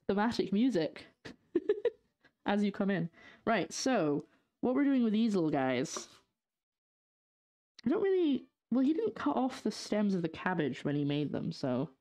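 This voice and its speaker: Young scottish woman w a slight lisp, kinda low voice, sarcastic little jokes to chat while cooking. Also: mellow. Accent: light Scottish, partly English-sounding. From northeast Scotland. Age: young adult. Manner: chatty, jokey, sarcastic asides to chat. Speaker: cooking streamer. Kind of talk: casual live-stream chat while cooking. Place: home kitchen, indoors.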